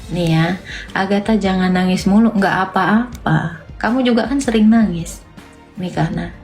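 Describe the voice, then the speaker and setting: A woman's voice: moderate pace, a little mellow, soft background music. A woman hosting a casual livestream, answering viewer comments in an emotional, defensive way and talking straight to her audience. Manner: voice jumps high when agitated. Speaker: livestream host.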